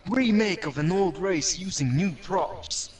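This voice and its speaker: Brief: man putting on a flat robotic monotone, slow and even, crowd noise behind. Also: high voice, far from the mic, voice pushed up. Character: adult male robot reading text in a flat monotone. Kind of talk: casual gaming chat with a friend.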